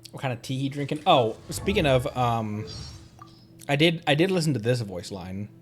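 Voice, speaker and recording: A man's voice: mid-range voice, expressive, normal speed, soft background music. A man casually commenting as he livestreams a video game, musing aloud to himself.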